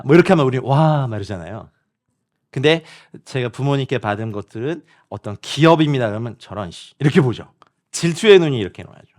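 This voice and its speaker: A man preaching as a missionary at a midweek prayer meeting, speaking directly to the congregation and online viewers and often acting out other people's words. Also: fairly high pitch. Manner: animated, acts out quoted people and laughs often while preaching.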